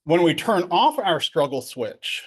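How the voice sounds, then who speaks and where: A man's voice: fairly high pitch, big pitch swings, a little slow, breathy edge. A middle-aged man giving a casual workshop lecture as a therapy trainer, chatty and joking, with many fillers and tag questions.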